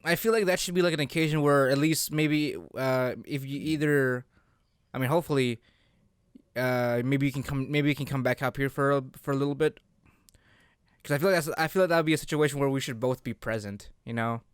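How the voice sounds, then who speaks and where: A man's voice: medium pitch, a little fast, clean tone, dry recording, clean studio sound. A man co-hosting a casual podcast chat, talking hesitantly and often searching for his words. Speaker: podcast co-host.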